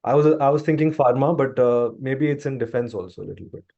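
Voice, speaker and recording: A man's voice: mid-range voice, fast talker, vocal fry, dark tone. A man with an Indian accent putting informal questions as an investor on a conference call. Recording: dull conference call audio.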